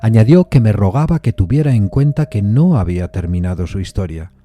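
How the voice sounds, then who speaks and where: A composed gentleman played by a male actor narrating a ghost story in an audio drama. His voice is low and extremely mellow, his delivery measured and deliberate, with music underneath. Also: expressive, lightly acted. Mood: uneasy, reasoning. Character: composed, rational gentleman visitor narrating an eerie tale. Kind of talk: literary first-person narration in audio fiction.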